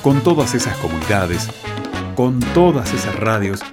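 Male radio narrator: Argentine, scripted delivery, lowish pitch, very expressive melody, prominent music bed. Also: unhurried. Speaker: host and narrator. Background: loud music.

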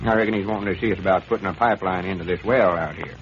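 An actor playing a self-assured old country storekeeper who patiently explains things in a drawling rural dialect, in a 1930s radio comedy. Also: male voice, deep voice, rapid-fire, lightly acted. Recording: old lo-fi radio transcription with hiss.

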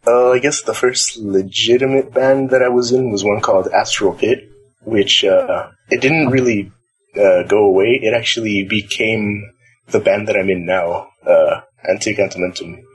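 A man's voice: lowish voice, steady tone, moderate pace, poor audio. A young man from the Los Angeles area, chatting casually and ramblingly as an interview guest. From Los Angeles area, California. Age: young adult. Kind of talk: casual chat. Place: library, nearly empty.

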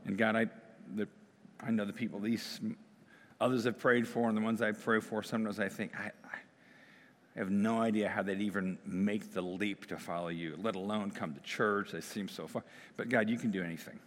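A man's voice: lowish voice, steady tone, normal speed, fairly bright tone. Conversational male pastor in reverberant hall. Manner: conversational preaching with fillers and restarts. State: slightly losing his voice. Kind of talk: sermon with prayer. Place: church sanctuary. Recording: long reverb of a church hall.

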